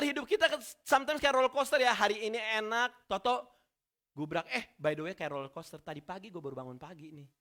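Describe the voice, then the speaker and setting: Male pastor, high bright voice, animated sermon storytelling. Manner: lively storytelling with slang and shouted reenactments. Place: church.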